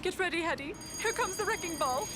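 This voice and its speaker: Brassy high pitched lady boss for kids radio drama, super animated, gleeful, noisy worksite behind. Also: a little fast. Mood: gleeful, excited. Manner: theatrical, breezy, bossy. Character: brash demolition company manager, gleeful about wrecking. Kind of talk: children's radio drama acting. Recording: noisy demolition site sound effects. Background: machinery and demolition sound effects.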